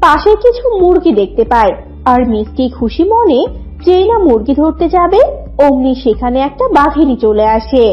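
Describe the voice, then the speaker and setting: A woman's voice: high voice, sing-song, normal speed. A woman narrating a scripted cartoon story. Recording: dull lo-fi audio, music behind.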